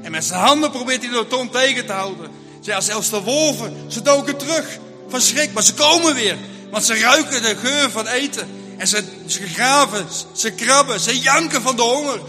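A man's voice: very high-pitched, expressive, normal speed. A man telling a Christian story in vivid, rhythmic narration. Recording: long hall reverb, faint music.

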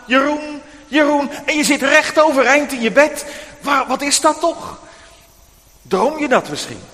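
Male preacher, children's sermon; high, very animated storytelling, reverberant church hall. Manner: animated, addressing children directly.

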